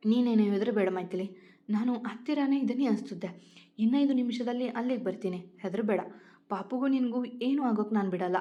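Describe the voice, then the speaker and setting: Woman reading a worried young husband, urgent and reassuring, mellow tone, lo-fi. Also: fairly high pitch, lightly acted. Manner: urgent, reassuring, rapid questions. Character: anxious devoted young husband. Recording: dull lo-fi recording.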